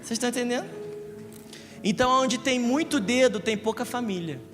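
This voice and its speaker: High, lively preacher. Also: male voice, brisk. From Rio de Janeiro, Brazil. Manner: lively, joking, asks the congregation questions. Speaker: pastor. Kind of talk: live Sunday sermon. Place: church service in a large hall. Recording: echoey church hall with music.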